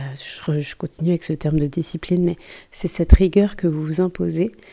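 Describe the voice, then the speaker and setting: Speaking at a fairly slow pace, a woman has a fairly low pitch and a dark, mellow tone. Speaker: podcaster on morning routine and motivation. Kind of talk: solo motivational talk. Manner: hesitant with many fillers.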